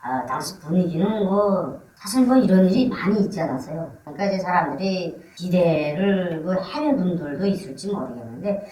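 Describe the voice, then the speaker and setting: A guest from Korea, voice disguised by being pitched down, giving measured, matter-of-fact interview answers. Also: animated, dark tone, reverberant, recorded from a distance, a little hiss or hum, poor audio. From North Korea.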